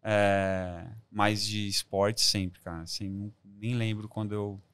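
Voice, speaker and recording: A man's voice: fairly low pitch, level tone, unhurried, a bit bright, clean tone, dry recording. A Brazilian man talking informally and enthusiastically as a podcast guest, with plenty of slang. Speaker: podcast guest, amateur triathlete. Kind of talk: casual podcast chat.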